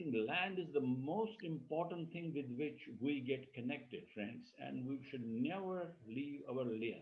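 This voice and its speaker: Audible room echo surrounds lively intonation delivered at a fairly slow pace with hardly any pauses. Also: man, fairly high pitch for a man. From Kashmir, India. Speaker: panel guest. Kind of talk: online panel discussion.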